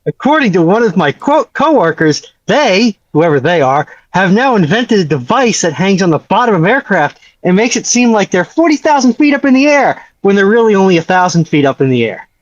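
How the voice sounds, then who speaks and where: A man chatting casually as a livestream guest, pausing between phrases, heard on dull, close call audio. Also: sits high, big pitch swings, no echo. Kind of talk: casual chat.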